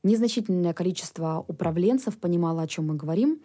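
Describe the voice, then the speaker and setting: A woman whose first language is Ukrainian explains things earnestly as an interview guest. Her voice sits low and sounds warm and mellow. She often thinks aloud as she talks. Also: fast talker. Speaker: government official, guest.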